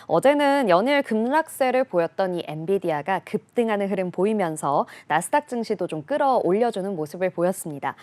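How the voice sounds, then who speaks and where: Woman host reading the intro and asking the guest questions, smooth steady anchor delivery. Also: mid-range voice. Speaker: program host. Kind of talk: broadcast presenting and interviewing.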